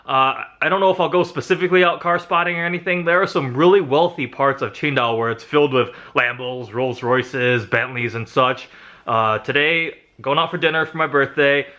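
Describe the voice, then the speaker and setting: A man's voice: mid-range voice, normal speed, sharp tone, no echo. A young American man narrating a casual car-spotting vlog as he walks, chatty and pointing things out. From United States. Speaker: car vlogger. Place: outdoors on city streets and in shops. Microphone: handheld camera mic.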